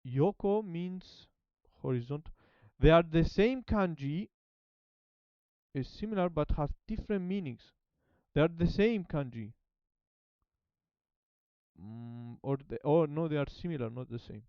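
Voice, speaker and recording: Non-native male learner thinking aloud, slightly high voice, dry and muffled. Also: a little slow, long pauses, clean tone, no room sound. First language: not Japanese. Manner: hesitant, repeats phrases while translating. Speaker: language learner. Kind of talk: casual study vlog, thinking aloud.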